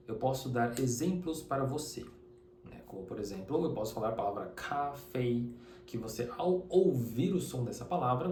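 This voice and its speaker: A man's voice: mid-range voice, mellow. Mandarin-native guy from taiwan teaching a chill lesson, lots of "right?" check-ins, echoey room with faint hiss. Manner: conversational, uses many tag questions. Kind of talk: casual spoken lesson to camera.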